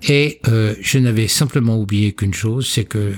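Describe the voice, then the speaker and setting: This man's voice sits at a fairly low pitch, somewhat breathy, with ordinary pitch variation. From Jura, eastern France. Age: 60s. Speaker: retired insurance broker. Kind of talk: interview. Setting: wooden chalet by a lake. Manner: halting.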